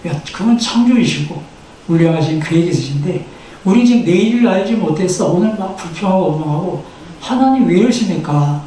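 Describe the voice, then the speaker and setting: A man's voice: high-pitched, a little fast, warm tone, recorded from a distance, slight background noise. A male pastor delivering a sermon, asking rhetorical questions and leading the congregation to repeat phrases after him. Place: church sanctuary. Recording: echoey church hall, from the mic.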